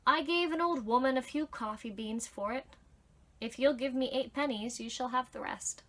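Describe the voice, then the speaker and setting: A blunt, practical shopkeeper from a storybook, read by a woman. The grocer talks in a teasing, matter-of-fact way, in a fairly high voice. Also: normal speed, fairly bright tone.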